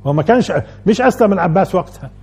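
Male religious teacher, high voice, husky, keeps quizzing listeners. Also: animated, rapid-fire, a little mellow. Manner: keeps asking the audience rhetorical questions. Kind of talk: colloquial Quran lesson.

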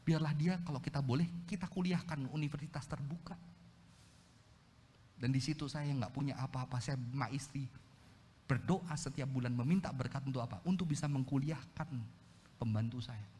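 A man in his forties preaching a sermon as a pastor, animated, moving between loud exclamations and quiet storytelling, into his speech. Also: medium pitch, moderate pace. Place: church hall. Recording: long hall reverb.

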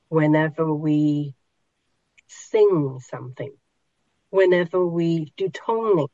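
A middle-aged woman teaches a small group at a very slow, unhurried pace, often pausing and restarting as she searches for words. Her voice sits dry and close, with no room around it, on a somewhat dull, muffled recording. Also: low-pitched, a little mellow, dry recording. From Hong Kong. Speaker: podcast host and spiritual teacher.

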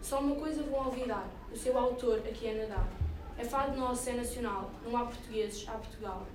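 A woman reciting a rhyming poem aloud in a measured, rhythmic way at a reading. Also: on the high side. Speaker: reader at a reading event. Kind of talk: poetry recitation. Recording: echoey room, distant mic, noisy.

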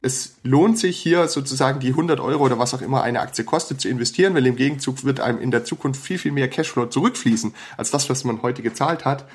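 A man's voice: medium pitch, fast, few pauses, husky. A man as a podcast guest, explaining his approach to analyzing companies in a thorough, methodical way. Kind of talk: explanatory interview answers.

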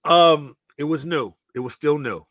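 A man co-hosting a casual podcast, animated and joking, with loud bursts of laughter. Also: fairly high pitch, unhurried, dry recording, clean studio sound. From northern US. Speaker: co-host.

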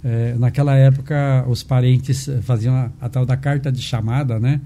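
An older man with a Brazilian accent, a physician being interviewed, talking casually and haltingly, often adding tag questions. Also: medium pitch, fairly even intonation, mellow, slight background noise. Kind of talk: casual conversational storytelling.

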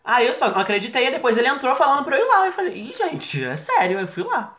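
A young man telling a funny story in casual podcast chat, animated, often laughing and acting out other people's voices. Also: very high voice, fast talker. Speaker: podcast co-host. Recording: roomy echo.

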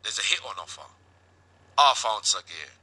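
A man voicing a scheming Jamaican prison gang rival with a calm, low patois. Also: moderate pace, slightly rough, exaggerated voice. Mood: plotting.

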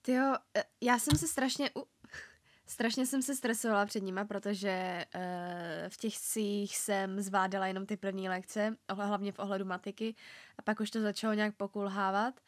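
A woman's voice: medium pitch, fairly even intonation, dry recording. A young woman co-hosting a podcast in casual chat, agreeing eagerly and using lots of fillers. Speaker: podcast co-host.

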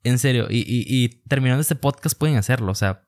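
A young man with a Mexican accent, co-hosting a podcast in a relaxed, chatty way and laughing easily. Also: mid-range voice, quick pace. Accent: Mexican Spanish. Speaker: podcast co-host. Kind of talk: casual podcast chat.

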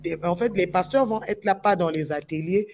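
A woman's voice: on the low side, brisk, a little mellow, slight background noise. A woman from the Congo with a Congolese French accent, a gospel musician speaking with passion and repeating phrases for stress. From Democratic Republic of the Congo. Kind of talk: impassioned talk-show discussion.

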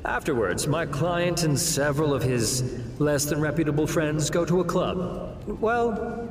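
An actor playing a smooth-talking demon who works as a defense lawyer, telling his story in a theatrical, wry way for an audio drama. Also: on the high side, a little slow, close to an everyday voice. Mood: wry, sardonic. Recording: reverberant hall, music underneath.

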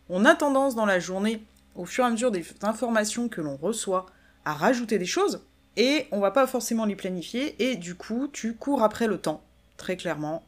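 A woman hosting a solo podcast, explaining work methods in a chatty, informal way and talking straight to the listener. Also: medium pitch. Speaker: podcast host, business coach.

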